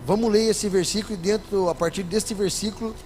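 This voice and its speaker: A man's voice: sits high, fairly even intonation, a little fast, a little mellow, slight background noise. A man with a Brazilian Portuguese accent preaching a sermon to his congregation in church, often asking them for an amen. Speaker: pastor. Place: church service.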